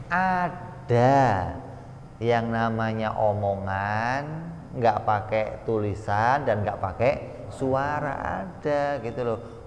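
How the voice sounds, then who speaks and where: A man giving a slow, explanatory religious study lecture, now and then voicing sound effects for his examples. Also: mid-range voice, slight background noise. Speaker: religious teacher. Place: pesantren study hall. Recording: echoey hall with long reverb.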